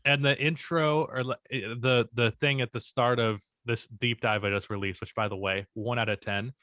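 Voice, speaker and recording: A young man co-hosting a casual podcast, speaking in an even, unexpressive tone and swearing casually. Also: mid-range voice, normal speed, no echo. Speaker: podcast co-host and YouTuber.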